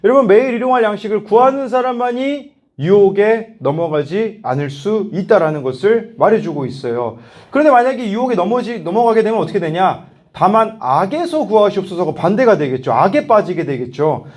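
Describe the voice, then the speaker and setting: A man in his thirties giving a lively youth sermon, telling family stories with laughter and acted-out quotes. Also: high-pitched, fairly quick. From South Korea. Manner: animated storytelling, laughs often, acts out voices in quotes. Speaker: youth pastor.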